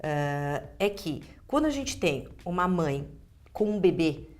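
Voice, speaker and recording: A woman's voice: fairly low pitch, very animated, takes it slowly. A Brazilian woman speaking as a guest dentist, explaining clinical practice conversationally and restating phrases for emphasis.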